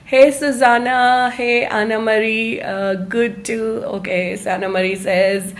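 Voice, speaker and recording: A woman hosting a live online self-help talk, speaking to her viewers in a halting, deliberate way with stressed phrases. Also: on the high side, steady tone. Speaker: host of a live-streamed self-help series.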